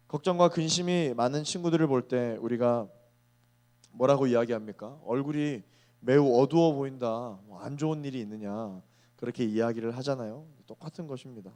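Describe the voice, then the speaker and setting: A man in his thirties preaching a sermon to young adults, earnest, slowing down to weigh key phrases. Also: mid-range voice, a little mellow.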